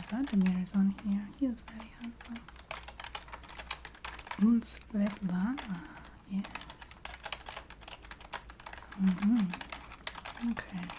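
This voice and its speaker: A woman playing a courteous, matter-of-fact vampire receptionist in a soft-spoken ASMR roleplay, half-whispering in a put-on Eastern European accent with halting, formal phrasing. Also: medium pitch, slight background noise, close to an everyday voice. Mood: welcoming, businesslike. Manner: halting, formal phrasing with small hesitant hums.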